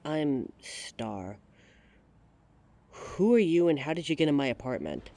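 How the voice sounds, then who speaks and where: Guy acting a guarded werewolf, blunt, kinda higher male voice, very animated pitch, audio drama. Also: a little slow. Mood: wary. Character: guarded werewolf searching for a stolen mate.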